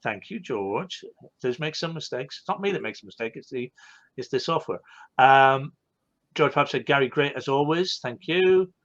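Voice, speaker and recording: Casting: male host with an Irish accent, chatty and animated, dull lo-fi video-call sound. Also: medium pitch, normal speed. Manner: animated, rambling, self-correcting. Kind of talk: live online Q&A chat.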